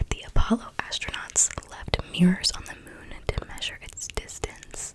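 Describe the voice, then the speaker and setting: Someone whispers at a fairly slow pace with big swings in loudness, amid noticeable background noise. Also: woman. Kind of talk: ASMR fun-facts reading, casual talk to camera. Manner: whispered.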